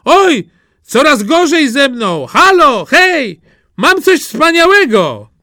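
Guy putting on a goofy young village lad, way up high and yelling, storybook voice, dry sound. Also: wildly swooping pitch, slow pace, smooth, dry recording, full character voice. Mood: gleeful shouting. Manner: shouting gleefully from afar. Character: simple-minded cheerful young peasant lad, boisterous.

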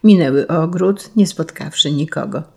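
A woman reads a children's storybook aloud with steady, expressive pacing. Her voice sits low and sounds husky and gravelly, with plenty of fry. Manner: measured, expressive reading. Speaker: audiobook narrator. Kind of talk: scripted narration of a children's story.

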